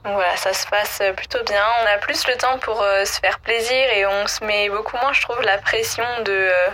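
A woman leaving a casual personal voicemail, talking hesitantly with many pauses and fillers. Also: mid-range voice, sharp tone, a little hiss or hum, rough recording. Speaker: listener leaving a voice message.

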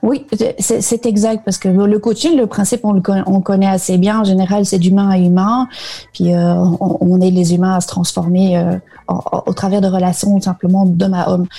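Woman guest from Belgium, dark husky tone, halting delivery. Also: medium pitch, flat delivery, faint music behind. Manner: halting, many restarts. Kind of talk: casual interview talk. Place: remote recording from Canada.

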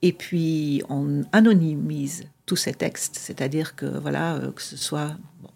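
Middle-aged woman interviewee, Dutch speaker, gravelly and husky voice, chatty but halting with fillers. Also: low-pitched, mellow. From Belgium (Flanders, near Ghent). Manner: hesitant, many fillers, searching for words. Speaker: guest, association founder. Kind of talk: casual conversational interview.

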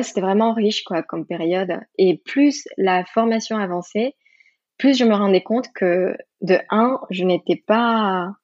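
A woman's voice: mid-range voice, a little mellow, no echo, lo-fi sound. A woman from Mexico with a Mexican Spanish accent, a yoga teacher talking as a podcast guest in a thoughtful way, often restarting her sentences. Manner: thoughtful, many restarts and fillers, laughs easily. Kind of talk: podcast interview.

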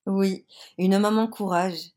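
A woman's voice: mid-range voice, steady tone, slow, a little mellow. A woman from France, speaking earnestly and with many hesitations as an interview guest, slightly under the weather with a cold. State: has a cold. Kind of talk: casual interview.

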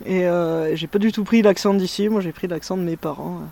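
A woman's voice: lowish voice, fairly quick, warm tone. Hesitant woman with a Parisian accent. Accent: Parisian French. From France. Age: 30s. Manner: hesitant, many fillers and restarts. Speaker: guest, musher. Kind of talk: casual interview chat. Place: sunny garden in the mountains, outdoors.

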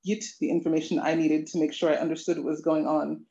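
An earnest, reflective adult student describes her language lessons at a middle pitch. The sound is roomy and echoey, and a little dull. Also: little pitch movement, quick pace, dark tone. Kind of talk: interview. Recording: echoey, muffled lo-fi audio.

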